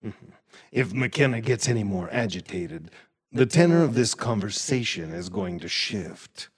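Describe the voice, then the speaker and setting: Deep, husky sardonic storyteller, acted by a man. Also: expressive, a little slow. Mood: wry, knowing. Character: sardonic male storyteller commenting on the scene. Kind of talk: audio drama narration.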